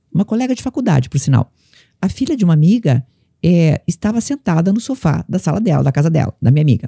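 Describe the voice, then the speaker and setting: A woman speaks at a fairly quick pace with very wide pitch swings in a fairly low register. Her tone is dark, mellow and somewhat breathy, the sound dry and close with no echo. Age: 60s. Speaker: psychologist and lawyer. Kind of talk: podcast interview.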